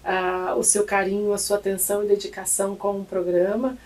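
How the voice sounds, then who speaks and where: A woman's voice: mid-range voice, flat delivery, brisk, a little mellow. Radio host lady in her 40s, friendly chatty questions, mic a bit far off. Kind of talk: radio interview. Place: radio studio. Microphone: studio mic on boom arm.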